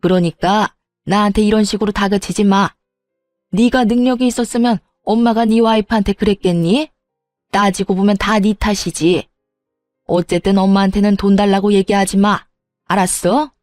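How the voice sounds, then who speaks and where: A woman's voice: mid-range voice, steady tone, moderate pace, darkish tone, dry recording, soft background music, natural voice. A woman voicing a selfish older mother-in-law who dismisses and scolds her son in a storybook reading. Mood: dismissive.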